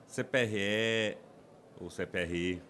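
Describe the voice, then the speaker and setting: A man with a low voice, from the São Paulo interior, speaks as a podcast guest. He explains procedures step by step, often restarting his sentences. A faint background ambience sits under his voice. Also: takes it slowly, sharp tone, a little hiss or hum. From interior of São Paulo state, Brazil. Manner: explains plainly with frequent restarts and fillers. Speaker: endoscopist guest.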